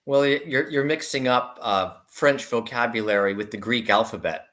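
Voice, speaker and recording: Interviewed as an investment analyst, a man offers conversational commentary, repeating words and adding qualifying asides. His voice is medium-pitched and a bit bright, at a moderate pace.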